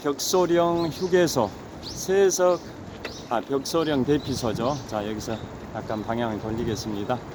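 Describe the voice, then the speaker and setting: Very slowly, a man speaks at medium pitch with lively intonation over noticeable background noise. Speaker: marathon runner. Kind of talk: casual vlog narration while cycling. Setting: outdoors.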